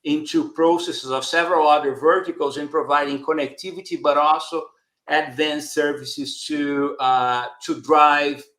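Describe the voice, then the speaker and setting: Slightly high and fairly bright, the voice belongs to a Brazilian man, a telecom marketing director whose first language is Portuguese, speaking a little slowly in a steady tone with a Brazilian accent. Answering interview questions, he's conversational and hesitant, often tagging phrases, and the room echoes.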